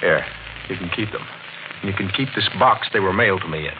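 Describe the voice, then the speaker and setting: An actor playing a sardonic, insinuating black-sheep brother in an old radio mystery, cool and deliberate. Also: male voice, low-pitched, lightly acted. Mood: curt. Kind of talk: 1940s radio mystery acting. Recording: tinny, noisy old radio broadcast.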